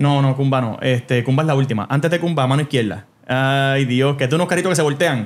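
A man with a Puerto Rican accent talks at a very fast pace with hardly any pauses. His pitch is fairly high. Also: ordinary pitch variation, very even loudness. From Puerto Rico. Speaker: comedian and podcast host; comedian, podcast host. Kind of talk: casual chat. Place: studio. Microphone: studio mic.

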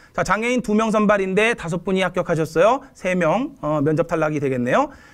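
Man at a fairly quick pace with lively intonation, quiet background. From South Korea. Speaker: exam prep teacher. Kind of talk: lecture. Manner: warm, encouraging. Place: studio. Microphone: studio mic.

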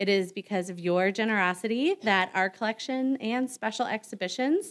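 A woman speaks in an unremarkable speaking voice at a moderate pace. Her pitch is fairly high. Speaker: museum programs manager. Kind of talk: event introduction. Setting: stage with audience. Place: hall.

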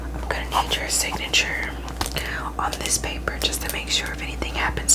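A woman whispers in a soft-spoken, gentle tone at a fairly quick pace over loud background noise. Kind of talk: role-play roleplay chat to viewer. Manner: soft ASMR whisper, gentle and close. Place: home room. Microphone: webcam.

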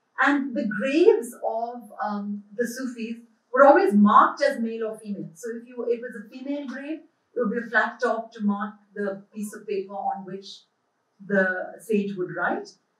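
With audible room echo, a woman talks at a fairly high pitch with ordinary pitch variation and big swings in loudness. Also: moderate pace. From India. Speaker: author and academic; author on a panel. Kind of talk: reading aloud; panel discussion and reading aloud. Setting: stage with audience. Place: hall.

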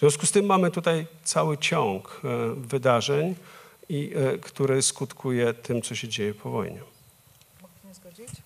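The speaker moves at a fairly slow pace with long, frequent pauses. Loudness swings widely, and the intonation is lively. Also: man, fairly high pitch for a man. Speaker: historian; panel discussant. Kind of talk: panel discussion. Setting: stage with audience. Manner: halting, many fillers. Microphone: handheld.

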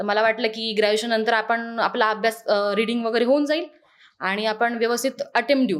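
The recording is very clean with a silent background. A woman with a normal speaking voice talks at a fairly high pitch with fairly even intonation. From Karjat, Raigad, Maharashtra. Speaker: successful exam candidate. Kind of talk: motivational talk to students.

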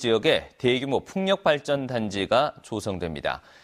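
Speaking at a very slow pace, a man is heard on a very clean recording with a silent background. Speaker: news anchor. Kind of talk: news reading.

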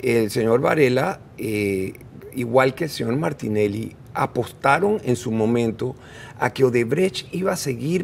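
The intonation is lively while the pace stays fairly slow. Light background noise sits behind the voice. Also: man. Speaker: former politician as interview guest. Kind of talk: interview answer. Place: studio. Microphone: lapel.

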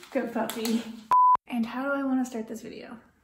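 A woman's voice against loud background noise. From New England. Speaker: travel vlogger. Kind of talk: casual vlog talk. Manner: casual, playful. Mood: cheerful, relaxed. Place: home room. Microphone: phone near.

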